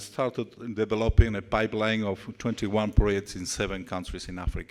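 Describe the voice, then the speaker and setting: A man with a non-native accent speaks at a fairly low pitch. His pace is fairly quick and his intonation monotone and flat. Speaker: engineering contractor CEO. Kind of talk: panel discussion.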